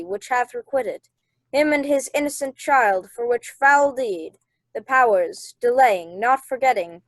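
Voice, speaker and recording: Woman playing stern airy spirit in a shakespeare radio play, highish voice, real dry close sound. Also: dry recording, rough recording.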